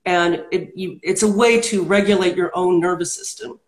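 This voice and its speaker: A woman's voice: fairly low pitch, fairly even intonation, moderate pace. A woman who is a podcast guest and hypnotist, explaining a technique step by step in an earnest, methodical way. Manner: earnest, walks through steps methodically. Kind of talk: explanatory interview talk. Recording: roomy echo.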